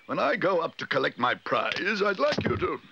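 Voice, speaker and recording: A man's voice: fairly high pitch, sing-song, moderate pace, vocal fry, lo-fi sound, background noise, pitched above the performer's own voice. A man voicing a pompous, bossy, irascible neighbour who blusters indignantly in a children's storybook reading.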